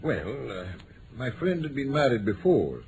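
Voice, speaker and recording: An actor playing a bluff, middle-aged gentleman client in a vintage radio drama, speaking earnestly, haltingly and uneasily. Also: medium pitch, very animated. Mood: troubled, earnest. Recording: noisy old radio drama recording.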